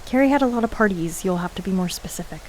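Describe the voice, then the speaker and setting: A woman's voice: mid-range voice, animated, fast talker, a little mellow, natural voice. Horror radio play: actress as a no-nonsense, dismissive woman, mid-range voice, noticeable noise behind her. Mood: guarded. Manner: matter-of-fact, blunt. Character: skeptical, practical adult woman, dismissive of ghosts. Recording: noisy hiss with rain behind.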